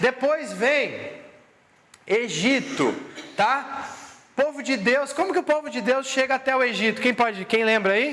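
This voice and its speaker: Delivered at a fairly slow pace with long, frequent pauses, the animated voice holds a very even loudness over noticeable background noise. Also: man, extremely high pitch for a man, ordinary pitch variation. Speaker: Bible teacher. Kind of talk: lecture. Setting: church garage classroom.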